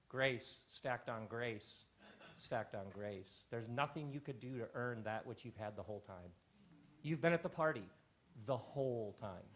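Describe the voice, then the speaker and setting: A man hosting a live stage talk, a reflective storyteller who drops soft on his key lines. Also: medium pitch. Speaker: host. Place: live theater stage before an audience.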